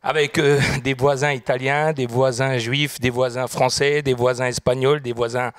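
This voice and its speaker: Middle-aged guy, halting and earnest on a studio set, holding a handheld mic, tight dry sound with no room ring, average pitch. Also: little pitch movement, no room sound. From France. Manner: hesitant, many fillers, grows more earnest. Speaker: guest, restaurant group founder. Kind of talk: studio interview answers.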